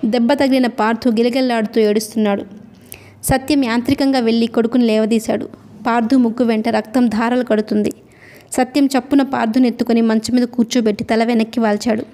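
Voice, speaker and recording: A woman reads a novel aloud in steady storytelling narration. Her voice sits a little high, with a mellow, warm tone. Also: brisk. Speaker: audiobook narrator.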